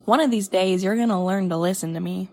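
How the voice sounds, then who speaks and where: A woman's voice: mid-range voice, quick pace, a little mellow, no echo, clean studio sound, close to an everyday voice. A woman playing a stern, protective twin sister in an audio drama, scolding in a folksy way. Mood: stern concern.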